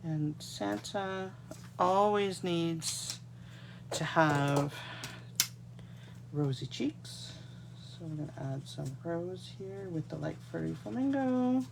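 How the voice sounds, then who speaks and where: A woman's voice: on the low side, animated, slow pace, vocal fry, pauses often, background noise. A congested woman from Canada, chatting to viewers as she demonstrates card-making at a craft desk. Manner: chatty, talks to viewers while working. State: congested, getting a cold. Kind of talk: casual live craft tutorial. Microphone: overhead camera on desk, hands only.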